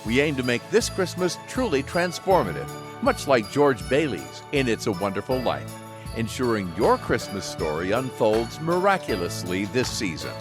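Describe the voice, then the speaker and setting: A man's voice: medium pitch, sing-song, moderate pace. A man reading a scripted promotional voice-over as an announcer. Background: music with jingle bells.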